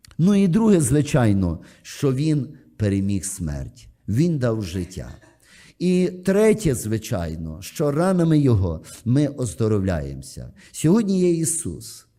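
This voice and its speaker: A man with a medium pitch and dark, mellow tone speaks at a very slow pace. His pitch swings very widely amid audible room echo. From western Ukraine (Lviv region). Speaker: pastor. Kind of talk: sermon.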